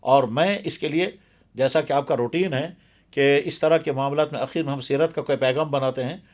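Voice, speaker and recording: A man's voice: medium pitch, normal speed. A man speaking as a Muslim cleric, explaining religious guidance earnestly and emphatically, repeating phrases for stress. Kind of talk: explanatory religious talk in an interview.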